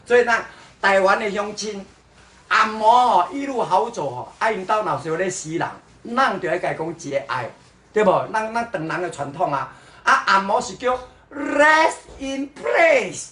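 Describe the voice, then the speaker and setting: A man's voice: sits high, moderate pace, fairly bright tone, roomy sound. A man from Singapore with a Singaporean Mandarin accent sprinkled with Hokkien words, mocking his viewers in a livestream chat. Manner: mocking, sarcastic, mixes in Hokkien and English.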